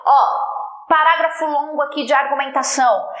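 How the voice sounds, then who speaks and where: A woman's voice: high-pitched, moderate pace, fairly bright tone, roomy sound. A woman teacher giving an exam-prep lesson, playful and teasing as she talks her students through writing. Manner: playful, teasing, talks while drawing on a slide.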